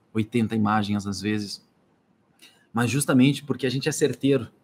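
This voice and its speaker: Moderately paced male speech, medium in pitch, with ordinary pitch variation. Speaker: 3D rendering instructor and studio owner. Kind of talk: live webinar sales pitch. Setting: livestream. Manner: animated.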